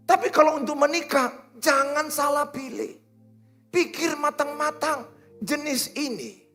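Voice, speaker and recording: A middle-aged man preaching a sermon, swinging between loud exhortations and quiet, low asides. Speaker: pastor. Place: church hall with congregation.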